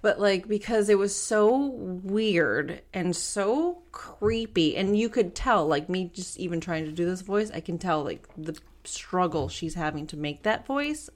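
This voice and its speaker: A woman's voice: lowish voice, expressive. Candid chatty woman co-host. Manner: candid, rambling, quick bursts. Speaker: podcast co-host. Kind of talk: casual movie-review chat.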